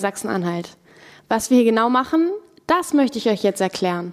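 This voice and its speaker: This woman has an unremarkable speaking voice, pitched fairly high. Her intonation is lively and her pace moderate. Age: 20s. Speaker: police cadet and podcast host. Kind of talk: scripted narration.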